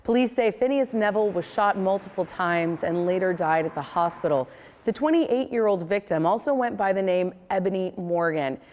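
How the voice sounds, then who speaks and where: A woman's voice: mid-range voice, normal speed, darkish tone, long reverb tail. A woman with an American accent reading a scripted local television newscast as the anchor.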